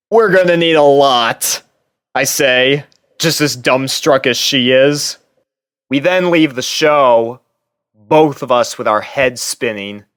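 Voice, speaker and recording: A man reading fan fiction as a first-person narrator, expressive and theatrical. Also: medium pitch, no room sound, clean studio sound.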